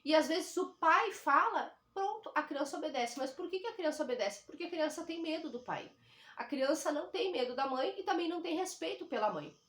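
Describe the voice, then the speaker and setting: A woman's voice: high-pitched, lively intonation, brisk, a bit bright. A woman with a southern Brazilian accent, a single mother vlogging in a casual, frank chat full of fillers and restarts. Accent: southern Brazilian Portuguese. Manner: chatty, frank, uses many fillers.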